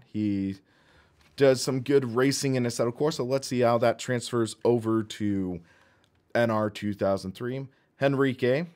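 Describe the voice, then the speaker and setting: Hoarse man chatting through a stream. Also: medium pitch. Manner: chatty, thinks aloud while clicking menus. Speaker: sim racing streamer. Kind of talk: casual live-stream commentary.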